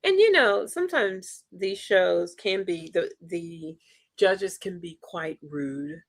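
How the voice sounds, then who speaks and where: A woman hosting a casual interview, enthusiastic and quick to exclaim in wonder. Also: lowish voice, animated. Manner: enthusiastic, exclaims and laughs often. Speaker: podcast host.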